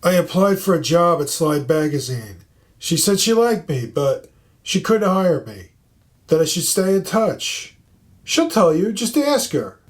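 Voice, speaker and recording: A man's voice: on the high side, big pitch swings, measured pace, pitched above the performer's own voice. A man voicing a whiny, panicked male stalker who protests indignantly in an audio drama. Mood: defensive, pleading. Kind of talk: audio fiction character reading.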